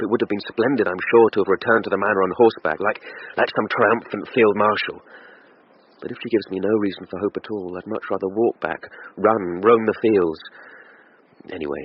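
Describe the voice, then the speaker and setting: An actor playing a nervous young lovesick suitor. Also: male voice, on the low side, a little hiss or hum, close to an everyday voice. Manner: anxious inner monologue, wavering between hope and dread. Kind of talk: radio drama acting. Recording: dull lo-fi radio broadcast with music behind.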